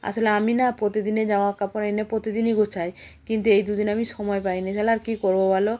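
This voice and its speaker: A woman's voice: mid-range voice, flat delivery, quick pace, mellow, lo-fi sound. A middle-aged woman with an Indian Bengali accent chatting casually to viewers in a home vlog, repeating herself and asking rhetorical questions. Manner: chatty and repetitive, addressing listeners with frequent rhetorical questions. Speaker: housewife vlogger.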